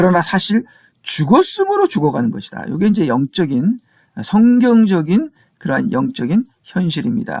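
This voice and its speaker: Recorded with a dry, close sound and no echo, a man talks in a high pitch with very wide pitch swings. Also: moderate pace. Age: 60s. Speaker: pastor teaching Bible study. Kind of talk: Bible study lecture. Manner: conversational with fillers and self-corrections.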